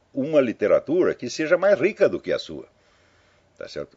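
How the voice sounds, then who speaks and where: A fairly quick pace carries this clip. It belongs to a man. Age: 60s. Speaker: lecturer. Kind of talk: lecture. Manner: conversational.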